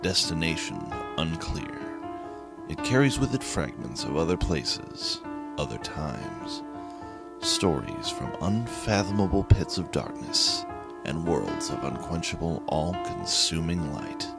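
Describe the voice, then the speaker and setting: Deep gravelly man, slow ominous narration. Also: big pitch swings, over loud music. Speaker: horror anthology host.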